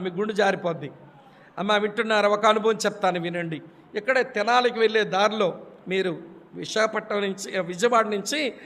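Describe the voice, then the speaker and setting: A man delivers a sermon as a lively storyteller, acting out the people in his stories and turning to ask his listeners if they are following. His voice sits high for a man. A long hall reverb trails behind every phrase. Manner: animated storyteller, acts out quoted voices, addresses listeners directly. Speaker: preacher.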